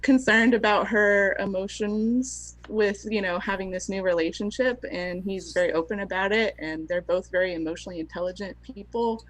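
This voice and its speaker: Woman, medium pitch, conversational, podcast panelist, casual discussion. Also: steady tone, normal speed, few pauses, low-quality recording.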